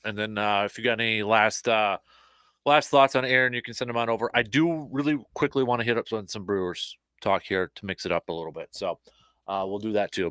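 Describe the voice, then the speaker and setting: A man hosting a talk show in casual chat, relaxed and rambling with plenty of fillers. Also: fairly low pitch, smooth, no echo, clean studio sound. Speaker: host.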